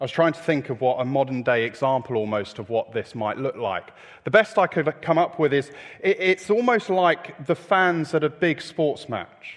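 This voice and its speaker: A man with a London accent, fairly high pitch, very wide pitch swings and a moderate pace. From North London, England. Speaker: church staff preacher. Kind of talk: sermon. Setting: church. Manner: repeats words, slightly halting.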